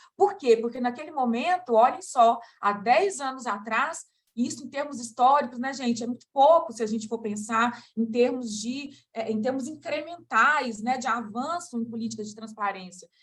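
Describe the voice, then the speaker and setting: A woman speaks with a Minas Gerais accent. Her pitch is high, and her pace is moderate. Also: ordinary pitch variation. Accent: Minas Gerais accent, noticeable. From Minas Gerais, Brazil. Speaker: federal attorney and law professor. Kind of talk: panel debate talk. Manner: hesitant, many fillers.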